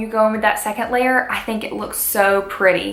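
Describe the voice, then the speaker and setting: Noticeable background noise and audible room echo surround a woman with a fairly high pitch. She talks at a moderate pace with fairly even intonation. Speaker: beauty vlogger. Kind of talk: makeup tutorial. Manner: stutters; casual, chatty.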